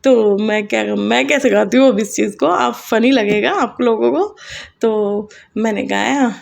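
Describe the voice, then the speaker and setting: A middle-aged woman speaks to her congregation about a personal spiritual experience. She sounds chatty and emotional. Her voice sits high and carries a gravelly, creaky edge. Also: a little slow. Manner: chatty, emotional, sings short devotional lines. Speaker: devotee sharing a spiritual experience.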